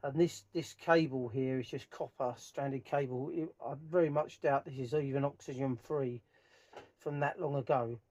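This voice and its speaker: Informal and hands-on, a middle-aged man thinks aloud while working, his voice medium in pitch, a little mellow, with fairly even intonation and a moderate pace. He restores speakers DIY-style and is presenting a how-to video. He's indoors in a small, cluttered workshop, recorded clearly with background noise and the clicks of handling.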